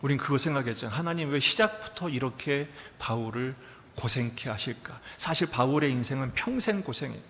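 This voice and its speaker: A man preaching a sermon as pastor, asking rhetorical questions, rising to loud emphatic peaks and sometimes dropping to a whisper. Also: mid-range voice, expressive, a little fast. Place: large church sanctuary. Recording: long hall reverb, faint noise.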